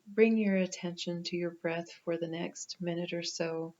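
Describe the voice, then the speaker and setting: A woman leading a guided meditation in a gentle, unhurried manner with pauses. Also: lowish voice, fairly even intonation, lo-fi sound.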